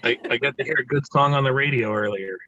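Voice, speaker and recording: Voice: mid-range voice, quick pace, pushed and bright. A person chatting casually over a lo-fi video call. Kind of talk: casual chat. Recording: dull, lo-fi video call audio.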